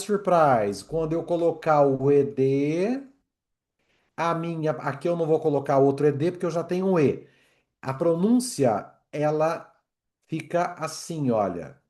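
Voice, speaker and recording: Lively, slow-talking teacher. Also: male voice, on the high side. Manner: playful, drills words with exaggerated repetition. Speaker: English teacher. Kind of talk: pronunciation lesson with drills.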